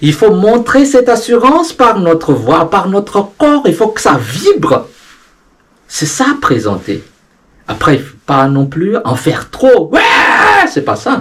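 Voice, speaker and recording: A man's high voice at a very slow pace, with very wide pitch swings and long, frequent pauses. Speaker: entrepreneur and advice video host. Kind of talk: motivational advice talk.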